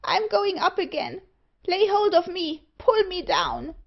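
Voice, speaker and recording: A woman voicing a small, brisk, cocky old male dwarf in a storybook. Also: sits high, big pitch swings, pitched above the performer's own voice. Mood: screaming. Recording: dull, lo-fi audio.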